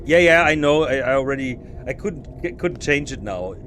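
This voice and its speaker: In a casual live gameplay stream of a stealth game, a podcast host talks to himself and his viewers, often restarting his sentences. His medium-pitched, slightly bright voice is animated at normal speed, with a little hiss or hum in the recording.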